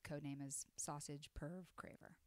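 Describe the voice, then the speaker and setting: A woman guest on a film podcast who talks in a quick, jokey, self-mocking way. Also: low voice, fairly even intonation. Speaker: guest, film critic and show host. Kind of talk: casual podcast chat.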